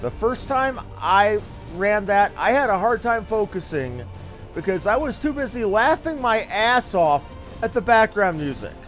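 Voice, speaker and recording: A man's voice: high voice, sing-song, measured pace, fairly bright tone. A man giving casual, folksy live commentary as he streams a game, swearing now and then. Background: video game music.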